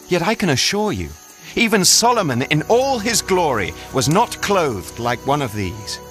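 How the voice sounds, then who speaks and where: Calm religious teacher, rhetorical, reassuring, lightly high voice, faint music behind, audio drama sermon. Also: male voice. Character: Jesus as a calm, earnest male teacher preaching.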